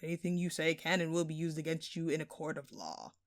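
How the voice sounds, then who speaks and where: A woman's voice: sits low, animated, fast talker, no echo, clean studio sound. A woman playing a smug, flirtatious jewel thief who taunts a detective with teasing, sarcastic, theatrical phrasing in an audio roleplay. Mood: gleeful, taunting. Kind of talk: scripted audio roleplay addressed to the listener.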